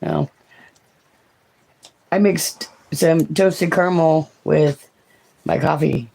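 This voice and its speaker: Gravelly, giggly woman. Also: sits low, slow pace, slight background noise, poor audio. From born in Washington, raised in Oregon. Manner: relaxed, giggly, a bit tipsy. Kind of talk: casual family chat.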